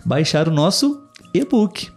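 A man's voice: fairly high pitch, very animated, measured pace, gravelly, soft background music. A man with a Brazilian Portuguese accent, hosting a podcast in a casual, chatty way with many fillers and asides to his co-host.

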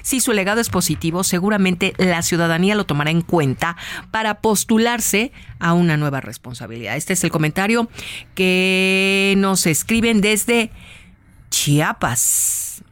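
A woman's voice: lowish voice, expressive, measured pace. A woman with a Mexican accent co-hosting a live radio news show, reading out listener messages with friendly asides. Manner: chatty, reads messages aloud with warm asides.

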